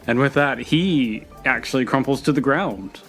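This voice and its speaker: A man's voice: medium pitch, normal speed, a bit bright, faint music behind. A man acting as game master, narrating scenes in a tabletop roleplaying game.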